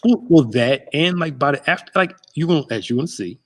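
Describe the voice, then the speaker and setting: A man's voice: a little high, animated, a little fast. A man in his thirties, a pastor hosting a casual chat show from a church sanctuary, laid-back and joking. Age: 30s.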